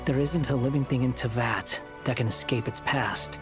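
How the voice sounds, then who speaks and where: A man's voice: mid-range voice, moderate pace, over music, natural voice. An actor voicing a blunt, skeptical male companion in a game, challenging and direct. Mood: stern.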